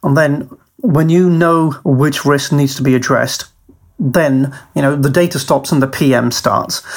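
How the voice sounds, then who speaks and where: With a London accent, a man talks at a fairly high pitch with fairly even intonation and very even loudness. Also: fairly slow pace. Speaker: portfolio manager. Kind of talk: interview.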